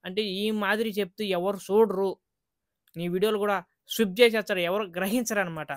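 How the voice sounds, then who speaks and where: A man's voice: sits high, steady tone, fairly quick, dry recording, studio quality. A man vlogging in a casual, earnest way, chatting straight to his viewers.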